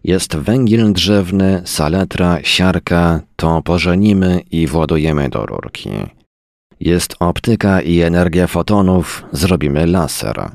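A man's voice: low voice, takes it slowly, a little mellow, no room sound, clean studio sound. A man reading a sardonic drunken professor. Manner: mocking, long-winded. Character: sardonic hard-drinking male professor, middle-aged or older.

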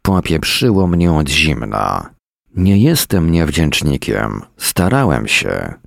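A man reading a first-person story in a weary, deadpan manner at a close mic. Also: rumbling low, slow pace, vocal fry, no room sound. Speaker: narrator.

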